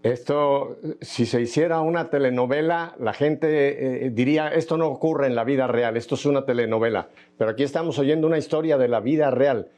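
A man's voice: mid-range voice, a little fast, hardly any pauses, a little mellow. A man hosting an interview, emphatic, urging his guest to repeat the key points. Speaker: interview host.

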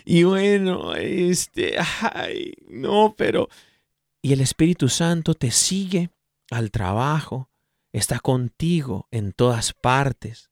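A man co-hosting a Catholic program, preaching warmly to listeners and acting out playful voices. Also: medium pitch, slow pace, vocal fry, no echo, studio quality. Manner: animated, exhorting listeners directly, acts out voices playfully. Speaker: co-host of a Catholic radio program. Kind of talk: preaching in casual chat.

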